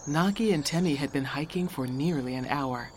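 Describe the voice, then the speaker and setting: A woman narrating a speculative audio drama as a measured storyteller with scripted delivery. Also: deep voice, darkish tone, a little hiss or hum, natural voice. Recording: birds and crickets behind the voice.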